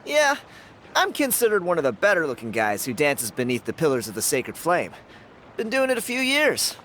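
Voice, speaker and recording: A man's voice: fairly high pitch, wildly swooping pitch, moderate pace, a little hiss or hum. A man voicing a cocky, friendly young tribal dancer in a video game, talking in an easygoing, boastful way. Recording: game audio with loud music underneath.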